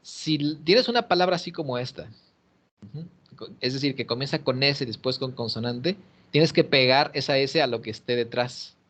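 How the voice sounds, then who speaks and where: A man's voice: mid-range voice, normal speed, a bit bright. A man teaching English one-on-one over a video call, patiently explaining and modelling pronunciation. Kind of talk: one-on-one online English lesson. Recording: muffled lo-fi call audio.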